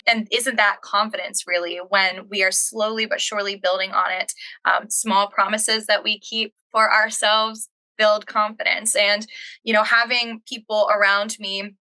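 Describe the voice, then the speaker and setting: A young adult woman from Pennsylvania, USA, a podcast host and body confidence coach, delivers a solo podcast monologue, speaking earnestly and encouragingly right to the listener. Her mid-range voice sounds pushed and bright, with no room sound.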